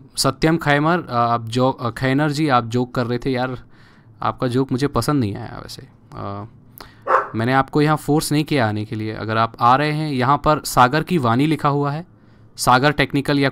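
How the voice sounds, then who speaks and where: A man at a medium pitch, with ordinary pitch variation and a moderate pace. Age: 20s. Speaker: gaming live streamer. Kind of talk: live stream casual chat with viewers. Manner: chatty, informal.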